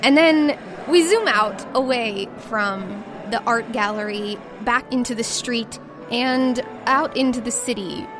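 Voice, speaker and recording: A woman's voice: on the high side, unhurried. A woman acting as game master, narrating a tabletop roleplaying story in a casual, descriptive way. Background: background music.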